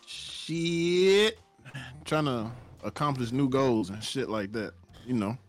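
An African American man with a mid-pitched voice banters casually as a podcast guest. Faint music sits behind his talk. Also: slow pace. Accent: African American English. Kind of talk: casual joking chat.

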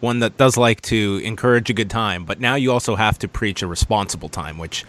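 Low-voiced male podcast host. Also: brisk, fairly bright tone. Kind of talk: casual round-table hosting.

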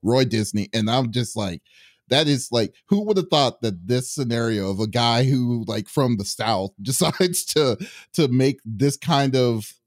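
A man's voice: medium pitch, animated, a little slow, no echo, studio quality. A man hosting a casual chat, rambling loosely, laughing often and filling his talk with "like".

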